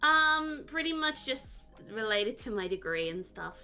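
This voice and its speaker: A woman VTuber being interviewed, talking casually and haltingly with lots of fillers. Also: fairly high pitch, very animated, pushed and bright, soft background music. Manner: rambling, halting, many fillers. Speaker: VTuber guest.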